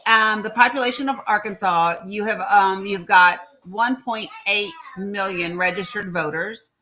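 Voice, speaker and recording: A woman's voice: medium pitch, measured pace, pushed and bright, a little hiss or hum. A middle-aged woman, hosting a casual political live chat in an informal, encouraging way. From Tennessee, United States. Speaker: live stream host.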